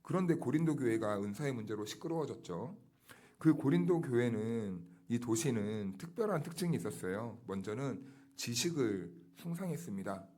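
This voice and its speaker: A man's voice: mid-range voice, animated, normal speed, mellow. A male pastor giving an early-morning sermon, explaining scripture in a conversational way and asking pointed rhetorical questions. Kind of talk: dawn service sermon.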